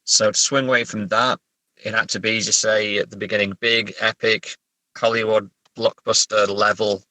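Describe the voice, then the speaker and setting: A man talking casually as a writer being interviewed, halting as he thinks aloud. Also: fairly low pitch, level tone, sharp tone, no echo, low-quality recording. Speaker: writer, podcast guest. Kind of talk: casual interview chat about writing.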